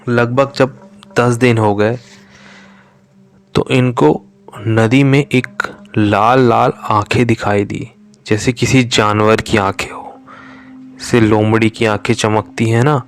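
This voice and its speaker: A man slowly telling a true horror story, his voice sinking to a whisper at tense moments. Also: mid-range voice. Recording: faint music behind.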